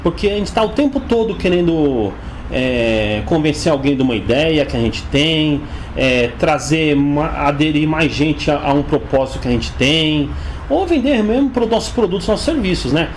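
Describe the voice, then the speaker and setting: A man's voice: a little high, animated, normal speed. A man in his forties with a São Paulo Brazilian accent, answering conversationally as a sales coach being interviewed. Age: 40s. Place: inside his home. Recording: clear background noise, ambience.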